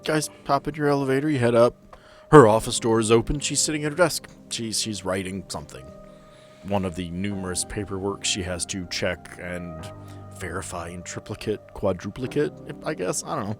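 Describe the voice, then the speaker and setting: A man with a fairly low voice acts as game master on a tabletop role-playing show. He talks and narrates casually, and music plays faintly behind him. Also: moderate pace.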